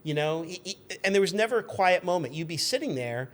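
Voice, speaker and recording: A man in his fifties telling casual anecdotes as a guest, in an animated, rambling way, acting out what people said. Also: high voice, fairly quick. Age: 50s. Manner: animated, rambling, acts out remembered quotes.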